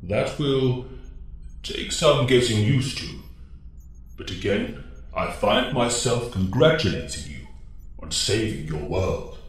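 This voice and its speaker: A man acts as a wise alien mentor in a radio play. His voice is low and very slow, grave and formal. It booms from a distance in cavernous echo. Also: animated. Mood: solemn. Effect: heavy echo on the voice.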